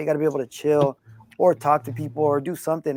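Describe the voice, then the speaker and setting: The sound is dry and close with no echo, and the speech moves at a fairly quick pace. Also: man. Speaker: cigar video creator. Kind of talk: casual chat. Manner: fast.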